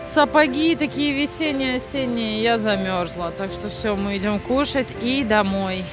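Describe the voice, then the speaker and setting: Higher-pitched woman chatting casually to viewers. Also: moderate pace, music in the background. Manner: chatty, expressive, exclamatory. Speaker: family vlogger, mother. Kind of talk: casual vlog chat to viewers. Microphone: handheld phone.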